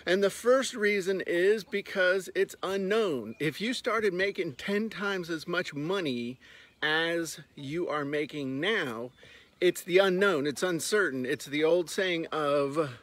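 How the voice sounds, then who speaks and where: A man's voice: high-pitched, slow, fairly bright tone. A man in his fifties, a business coach, talking bluntly and sarcastically to a phone held at arm's length while walking outdoors on a farmyard. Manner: blunt, sarcastic, jokey outbursts. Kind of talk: casual talking-head vlog.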